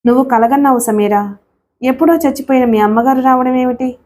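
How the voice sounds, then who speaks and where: A scheming young husband in a storybook, dismissive one moment and putting on fear the next, as a woman narrator plays him. The voice stays fairly high, her own. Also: fairly quick, a little mellow, a little hiss or hum, natural voice. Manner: mock-frightened.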